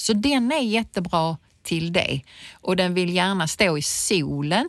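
Recorded very cleanly with a silent background, a woman with a plain, everyday voice speaks at a medium pitch and a fairly slow pace with lively intonation. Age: 60s. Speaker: gardening expert. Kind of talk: casual chat.

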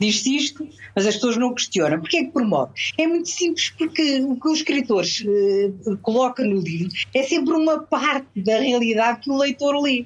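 A woman's high voice with very wide pitch swings, very even loudness, and a moderate pace. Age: 70s. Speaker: children's book author. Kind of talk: radio interview.

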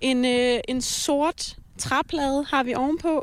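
A woman's high voice comes through on a very clean recording with a silent background. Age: 20s. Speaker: radio intern. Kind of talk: field report; casual chat.

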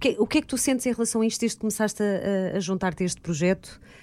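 A woman's fairly high voice, with a dark, mellow tone and ordinary pitch variation. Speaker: radio host. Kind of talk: radio interview. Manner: halting.

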